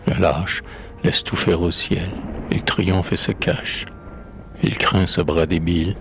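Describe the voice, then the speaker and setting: A man's voice: low-pitched, steady tone, slow pace, gravelly, slight background noise, exaggerated voice. A man reading as a wrathful despairing old king. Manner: grave declamatory recitation. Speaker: poetry reader. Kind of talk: dramatic poetry reading.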